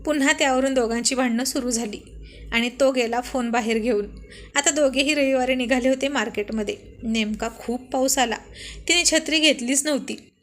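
A woman narrating a romantic story in a lively, conversational way. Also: sits high, normal speed.

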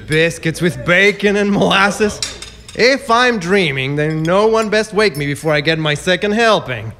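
A man's voice: sits high, lively intonation, a little slow. An actor playing a hearty, exuberant, jolly boatman in a radio drama. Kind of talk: stage-like radio drama acting. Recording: long reverberation over music.

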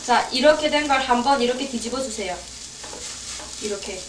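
A woman's voice: high voice, quick pace, echoey room, recorded from a distance, noisy background. A woman vlogger talking playfully to her viewers while she cooks, chatting to herself as she goes. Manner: playful, talks to herself while cooking, giggly. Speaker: cooking vlogger. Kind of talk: chatty cooking demonstration. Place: kitchen. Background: frying and sizzling food.

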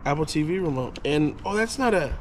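A man in his thirties vlogging outdoors at a storage lot, joking and excited as he digs through bins. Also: fairly high pitch, brisk, a little hiss or hum. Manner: excitable, joking, talks to camera. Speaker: storage unit buyer. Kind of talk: casual vlog while unboxing. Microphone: camera mic, handheld close.

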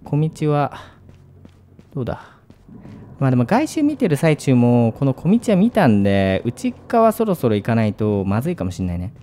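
A man's voice: medium pitch, wildly swooping pitch, normal speed, mellow, slight background noise. A man hosting a gaming video, commentating on a horror game in speech, shifting between muttering and jumpy outbursts.

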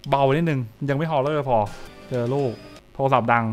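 A man's voice: medium pitch, brisk. Young man thinking aloud, music behind. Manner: repeats short phrases, thinking aloud. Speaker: streamer reacting to horror comics. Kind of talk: casual live reaction commentary.

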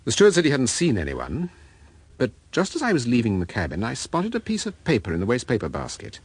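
An actor playing an urbane, observant gentleman detective in a radio drama. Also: mid-range voice, huge pitch swings, brisk, slightly rough, exaggerated voice. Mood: confiding. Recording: loud train noise behind.

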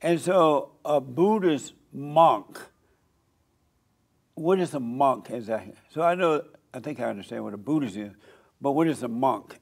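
An older man from Alabama, hosting a studio interview and asking questions with halting restarts. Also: medium pitch, lively intonation, vocal fry, darkish tone. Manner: halting, repeats words when starting. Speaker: host.

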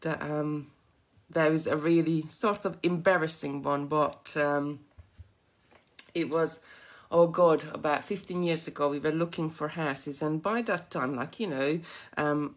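A middle-aged Hungarian-accented woman with a notably low, deep voice walks viewers through a beading project. She chats freely and drifts into giggly asides as she works at a craft table. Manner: chatty, giggly, rambling asides while working. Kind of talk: live beading tutorial.

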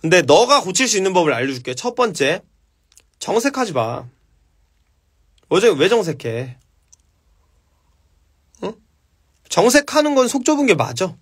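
A man's voice: high voice, sing-song, normal speed, pauses often, breathy edge. A man hosting a casual live stream, answering viewer questions with blunt, profane advice.

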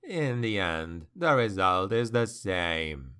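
A man voicing a sly, amused ancient male demon who speaks slowly and knowingly. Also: low-pitched, very animated, sharp tone, smooth, pitched below the performer's own voice, exaggerated voice. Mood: mocking. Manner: slow, knowing, mocking.

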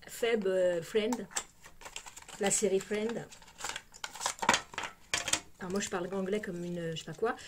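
A woman's voice: medium pitch, steady tone, slow, long pauses, heavy background noise. A woman with a Parisian French accent chatting casually through a makeup unboxing, exclamatory and full of little fillers. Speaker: beauty vlogger.

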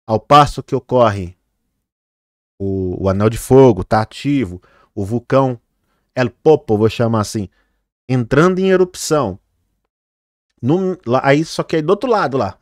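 A man's voice: mid-range voice, a little mellow. A man vlogging, commenting on news images in a loose, chatty way, with lots of fillers and direct asides to his viewers. He sometimes stumbles on difficult names and corrects himself. The sound is close and dry, with no room echo. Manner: chatty, fillers like "né" and "olha, gente"; trips over hard names. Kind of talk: casual commentary over news footage.

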